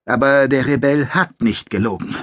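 A male audiobook narrator voicing a young alien soldier who leads a squad with brisk commands. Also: medium pitch, no room sound, studio quality, pitched above the performer's own voice, close to an everyday voice. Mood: confident.

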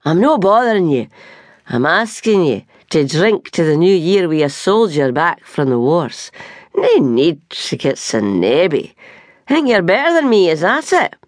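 A woman's voice: on the low side, sing-song, a little slow, dry recording, studio quality. Woman voicing a sneering drunk Scottish man. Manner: slurring, sneering, aggressive. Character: belligerent drunk Scottish working man, ex-soldier.

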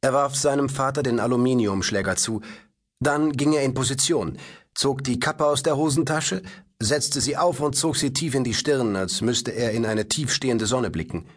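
A man narrating a science-fiction audiobook in an expressive, scripted storytelling delivery. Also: mid-range voice, moderate pace, breathy edge.

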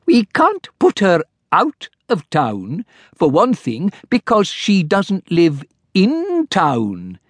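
A man doing a fussy, high-pitched little gnome of a clerk. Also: wildly swooping pitch, slow pace, breathy edge, no echo, clean studio sound, exaggerated voice. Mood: persisting. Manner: apologetic, pedantic, nervous.

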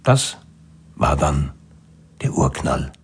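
A man reading a satirical essay for an audiobook in a wry, expressive way. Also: rumbling low, slow, breathy edge. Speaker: audiobook narrator.

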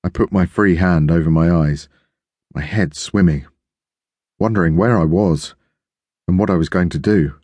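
Deep, dry male narrator, steady first-person audiobook reading. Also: dry recording. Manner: measured, steady storytelling.

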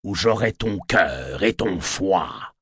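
A male narrator voicing a menacing, rough escaped convict who speaks slowly and threateningly. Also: expressive, fairly bright tone, no echo, clean studio sound, full character voice. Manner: slow, threatening, low delivery.

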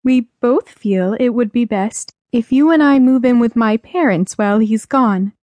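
A woman voicing a worried middle-aged mother, gentle but firm, in an audiobook. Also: fairly high pitch, measured pace, no echo, pitched above the performer's own voice, natural voice. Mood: earnest. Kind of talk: audiobook character dialogue.

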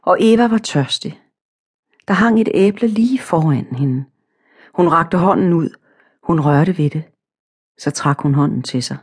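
A woman narrating a children's storybook audiobook in a calm, simple, measured way. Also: on the low side, husky.

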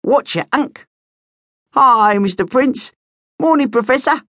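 A squeaky young bat, as a man puts it on, pitched high and sleepy. Dry, close storybook sound. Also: expressive, slow, fairly bright tone, no echo, exaggerated voice.

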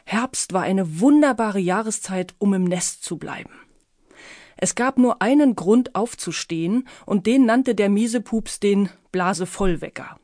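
A woman's voice: medium pitch, lively intonation, unhurried, a little mellow, no echo, studio quality. A woman narrating her own children's audiobook in a playful storytelling manner. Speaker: author and narrator.

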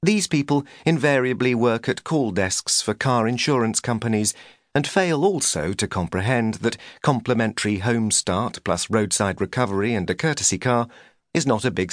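A man's voice: fairly low pitch, no room sound. A man reading a humorous memoir as an audiobook narrator, with a dry, wry delivery.

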